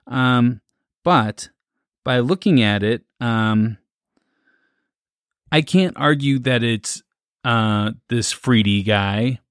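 A man's voice: mid-range voice, drawn-out words, pauses often, clean tone, dry recording, clean studio sound. A man co-hosting a casual podcast, thinking aloud with lots of fillers and restarts. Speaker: podcast co-host. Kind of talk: casual chat.

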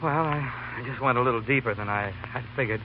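An actor playing an earnest young American law student, halting and slangy, in a 1930s radio comedy broadcast. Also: male voice, medium pitch, lo-fi sound, a little hiss or hum, lightly acted. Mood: bustling. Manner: halting, with casual collegiate slang. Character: earnest, boyish male law student helping a girl.

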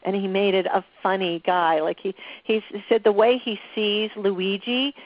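A woman's voice: mid-range voice, fairly even intonation, normal speed, no echo. A woman guest explains her ideas through confident, conversational stories. She has a mid-range voice. The recording sounds dry and a bit dull. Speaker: relationship author guest. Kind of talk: storytelling interview answers.

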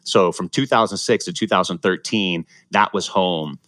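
A man's voice: sits low, normal speed, a bit bright, dry recording. A man, a former pro triathlete telling his story in a casual interview, earnest and reflective, often restarting his sentences. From Ohio, USA, born in Ecuador.

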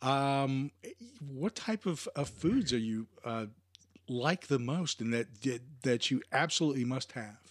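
Guy hosting a sports podcast, mid pitch voice, friendly, stumbles and clears his throat a lot. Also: animated, measured pace, no room sound, studio quality. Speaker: podcast host. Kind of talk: casual interview chat.

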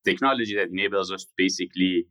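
A man, answering interview questions in a measured, explanatory way with frequent pauses. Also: low voice, sharp tone, no echo. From Iran. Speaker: guest founder.

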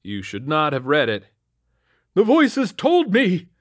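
A man voicing a paranoid, half-mad older police captain who shouts and cackles. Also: a little high, huge pitch swings, slow pace, no echo, clean studio sound, pitched above the performer's own voice, full character voice. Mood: agitated. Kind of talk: audiobook character voice.

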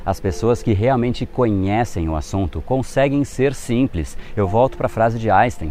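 A man talks through persuasion tips as a podcast host. His voice sits a little low, and he speaks plainly and conversationally, pressing on key points. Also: darkish tone. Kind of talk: didactic podcast monologue.

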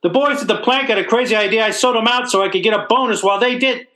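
A man's voice: sits high, fast talker, pushed and bright, echoey room. An actor playing a blustering, self-pitying working-class father in old-time radio comedy style, with stammering, folksy, ungrammatical speech. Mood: indignant.

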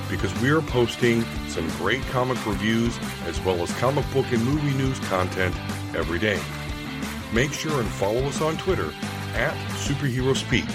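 A man reading an upbeat scripted promo for a podcast network. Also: on the low side. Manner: upbeat announcer delivery. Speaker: promo announcer. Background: guitar music.

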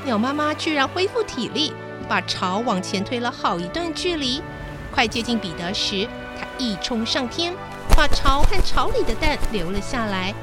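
A woman's voice: on the high side, big pitch swings, normal speed. A woman hosting a children's show, narrating a bedtime story expressively. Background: background music.

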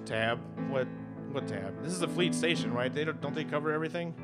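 An actor playing an excitable, naive, self-important spaceship captain who rambles incredulously in a sci-fi comedy. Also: male voice, a little high, brisk, over loud music, close to an everyday voice. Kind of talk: improvised-sounding sci-fi comedy dialogue.

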